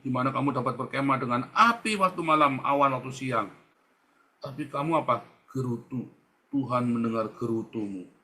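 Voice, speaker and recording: Pastor guy preaching, mid-pitched, keeps hammering the same point at the crowd, bit of faint noise behind. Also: sharp tone. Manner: exhorting, repetitive, keeps addressing the congregation directly. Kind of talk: sermon.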